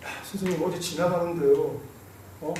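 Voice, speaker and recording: A man giving a classroom lecture on fortune-telling, lively and quizzing his students, laughing now and then. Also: a little high, moderate pace. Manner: animated, asks students questions, laughs. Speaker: saju lecturer. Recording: roomy echo, mic far off, faint noise.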